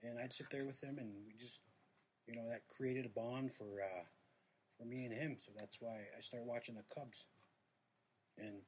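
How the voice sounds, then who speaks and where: A middle-aged livestream host and comedian from the Red Lake reservation, United States, talks casually in a Native American reservation accent. His medium-pitched, slightly mellow voice has fairly even intonation and normal speed, with frequent pauses, on a rough recording with some hiss or hum. He rambles self-deprecatingly and trails off.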